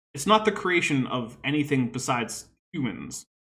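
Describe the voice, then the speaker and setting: This man's voice has a bright, sharp tone and lively intonation. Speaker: reaction video commentator. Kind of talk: reaction commentary. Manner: casual, conversational.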